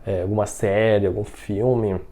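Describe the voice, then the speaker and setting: A man teaching a language lesson with a Brazilian Portuguese accent. He explains patiently, keeps checking in with the learner, and slows right down to model example sentences. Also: on the low side, fairly even intonation, mellow. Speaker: Mandarin teacher.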